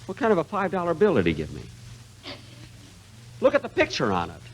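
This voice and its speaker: An actor playing a scheming, excitable ticket hustler in an old-time radio comedy. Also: male voice, on the high side, a little fast. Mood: smug, then puzzled. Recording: noisy old radio recording.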